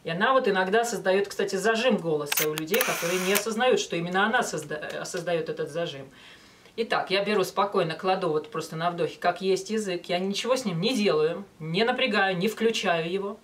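A woman in her forties teaching as a vocal coach, explaining step by step with hesitant pauses between phrases. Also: on the low side. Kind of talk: instructional talk with short sung demonstrations. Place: small indoor studio with banner backdrop. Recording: voice some distance from mic.

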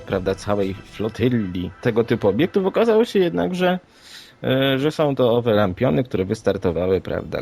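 Man, gravelly voice, matter-of-fact, unscripted talk, faint music behind. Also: lowish voice, a little mellow. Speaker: podcast co-host. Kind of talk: unscripted paranormal news discussion. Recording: background music under the voice.

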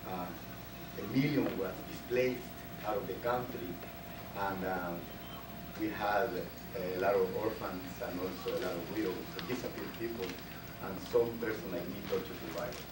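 Middle-aged salvadoran guy, lowish voice, talks to a class with lots of uh pauses, far off, hissy tape. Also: fairly even intonation. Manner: halting, repeats words, many "uh" pauses. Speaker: guest speaker. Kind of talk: classroom talk. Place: college classroom. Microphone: far camera. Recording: echoey room, from far off, hissy.

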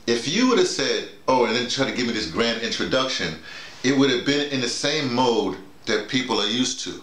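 A man's voice: medium pitch, moderate pace. An older man with an American accent talking informally, explaining in a digressive way and often acting out quoted remarks. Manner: digressive, self-quoting, animated storytelling. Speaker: theater director and workshop leader. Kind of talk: informal debrief, rambling explanation. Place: small bedroom, indoors. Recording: echoey room with faint noise.

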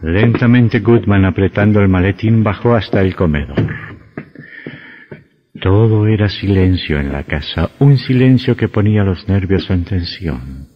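A man narrating a radio drama in a measured, suspenseful way. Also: low-pitched. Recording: dull lo-fi audio with faint music.

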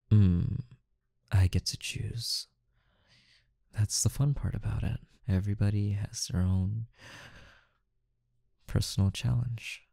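A man playing a calm, intimidating, teasing mafia boss in an ASMR roleplay, with a menacing yet softly coaxing delivery and deliberate pauses. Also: on the low side, creaky, breathy edge, no echo, clean studio sound, full character voice.

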